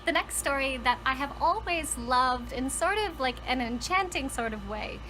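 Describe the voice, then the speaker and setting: A woman who hosts a book vlog and storytelling channel chats casually and enthusiastically with her viewers, stressing words for emphasis. Her high-pitched voice has lively intonation and a moderate pace. Music plays underneath, and the audio is poor.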